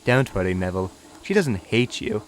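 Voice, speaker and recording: A man voicing a wise, gentle old male engine who speaks calmly and reassuringly. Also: fairly low pitch, normal speed, natural voice, rough recording. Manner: calm and reassuring.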